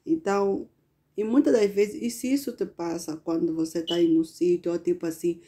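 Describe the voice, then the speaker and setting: A woman preaches in a conversational, earnest way. Her voice sits a little low and sounds warm and mellow. She keeps turning to her listeners with affectionate asides. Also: steady tone, normal speed, husky. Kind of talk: informal sermon testimony.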